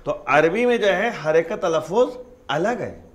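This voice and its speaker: A man's voice: on the high side, very animated. Patient man explaining religious teaching. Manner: patient, explains step by step with repeated examples. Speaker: Islamic scholar.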